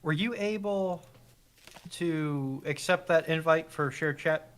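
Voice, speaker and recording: A man's voice: fairly high pitch, takes it slowly. A man co-hosting a casual livestream, speaking conversationally with a dry, joking manner. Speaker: livestream co-host.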